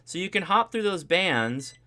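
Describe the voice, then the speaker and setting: Speaking a little slowly in a high, bright, forceful voice with big pitch swings, a man runs a ham radio livestream as a casual live tutorial. He's informal and explanatory, walking through each step hands-on in a chatty way. Along the way he checks in with "right?" and "okay?"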